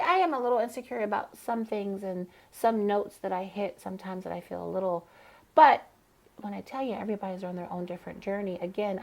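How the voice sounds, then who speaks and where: A trans woman drag queen chatting expressively as a podcast guest, her voice turning nasal when she gets excited. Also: medium pitch, creaky. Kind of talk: casual podcast conversation.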